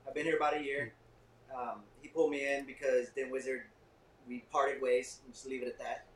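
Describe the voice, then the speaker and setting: A man's voice: mid-range voice, level tone, brisk, a bit bright, recorded from a distance. A man, a repair tech guest, talking eagerly in a casual podcast chat and checking that he is understood. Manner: eager, keeps checking in with "you know what I mean". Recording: roomy, off-mic, faint hiss.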